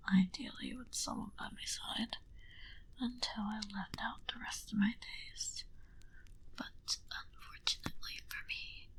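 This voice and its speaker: In an ASMR roleplay, a woman plays a centuries-old vampire who is aloof and condescending, whispering softly and breathily with slow, deliberate haughtiness. Her pitch is medium, and the audio quality is poor.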